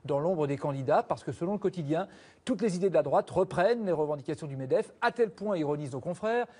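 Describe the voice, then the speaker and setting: Male TV news presenter, standard French accent, fairly high register, soft-edged tone, for headlines and press review. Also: animated, fast, husky. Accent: standard French from France.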